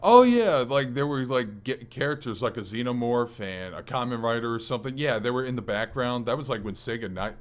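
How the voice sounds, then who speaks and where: A man's voice: mid-range voice, brisk, few pauses. A man hosting a gaming podcast, talking in an informal, rambling way with casual swearing. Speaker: podcast host.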